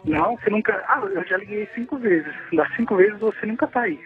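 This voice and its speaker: A man's voice: high voice, expressive, a little fast, soft background music. A man, calling in to a radio show over the phone, chatting eagerly and casually with slang. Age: 20s. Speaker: radio caller. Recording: dull lo-fi phone line.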